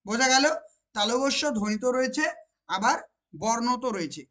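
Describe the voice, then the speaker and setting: A woman teacher with a West Bengal accent leads an exam-prep grammar lesson. She drills each point more than once, slows down to stress key phrases, and keeps checking with rhetorical questions. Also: fairly high pitch, a bit bright.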